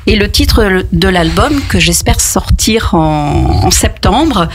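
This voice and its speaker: A woman's voice: mid-range voice, very animated, slow pace, soft background music. A middle-aged woman, a singer and songwriter, talking in a radio interview with many fillers and restarts. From France. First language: Italian. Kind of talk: radio interview, personal anecdotes. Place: radio studio.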